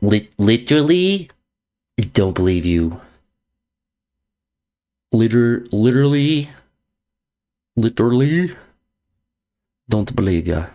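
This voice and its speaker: A man's voice: mid-range voice, very animated, slow pace, pauses often, darkish tone. A man streaming chess, chatting casually with viewers in a playful, teasing way, repeating jokey slang phrases. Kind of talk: casual chat reading viewer messages.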